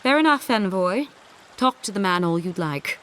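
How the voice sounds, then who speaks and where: A woman playing a formal, measured and coolly menacing military captain in a video game. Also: medium pitch, animated, fairly bright tone, a little hiss or hum, close to an everyday voice. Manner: formal, measured, veiled threat. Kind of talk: video game character acting.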